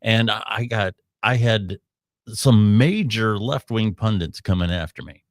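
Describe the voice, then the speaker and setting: A man's voice: lowish voice, unhurried, no echo, studio quality. A man hosting a live podcast, giving opinionated commentary in a rambling way with frequent restarts. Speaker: podcast host.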